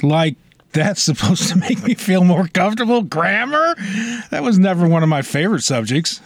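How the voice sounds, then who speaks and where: Give me a male radio host, a bit high-pitched, wary and joking, on a dry studio mic. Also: big pitch swings, moderate pace, dry recording. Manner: wary, playfully reluctant. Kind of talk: scripted radio sketch.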